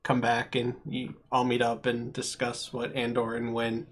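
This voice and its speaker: A man's voice: mid-range voice, completely flat delivery, unhurried. Hesitant man running a tabletop game. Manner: hesitant, filler-heavy narration. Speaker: game master.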